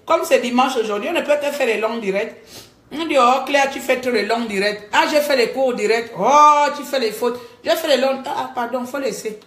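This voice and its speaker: A high-pitched woman rants on a live stream, switching between scolding and joking. Her voice rings in an echoey room. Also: normal speed. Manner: animated, scolding and joking by turns. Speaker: livestreamer.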